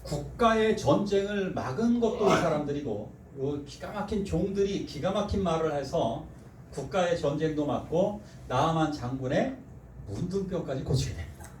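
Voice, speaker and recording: A man's voice: on the high side, lively intonation, moderate pace. A man preaching a sermon as pastor, acting out quoted speech and laughing often. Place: church sanctuary. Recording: echoey church hall from far off, faint noise.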